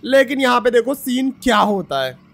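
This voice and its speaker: A young man narrating his own gameplay in a chatty, excited voice-over, talking straight to his viewers. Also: very high voice, normal speed, vocal fry, a little hiss or hum. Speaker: gaming YouTuber.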